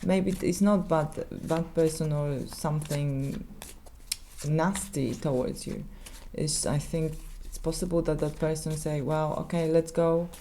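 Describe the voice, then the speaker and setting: A woman with a Polish accent, a native Polish speaker, giving a casual tarot reading in halting English with many restarts. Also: low voice, steady tone, warm tone, a little hiss or hum. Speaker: tarot reader.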